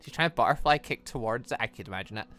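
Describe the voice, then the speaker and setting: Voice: mid-range voice, animated, rapid-fire, a bit bright, faint music behind. A gaming channel host giving chatty let's play commentary on a visual novel, full of exclamations and reactions. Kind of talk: let's play commentary with voiced dialogue reading.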